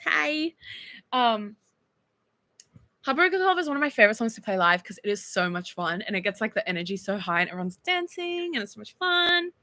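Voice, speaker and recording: An Australian woman, a singer chatting casually on a livestream from her bedroom, bubbly and animated as she reads fan texts. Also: on the high side, fairly quick, no room sound.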